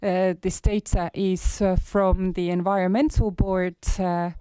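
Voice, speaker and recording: A man with an Estonian accent, hoarse today, giving a research presentation in a halting way with many filler sounds. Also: high-pitched, level tone, mellow, no room sound. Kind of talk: conference presentation.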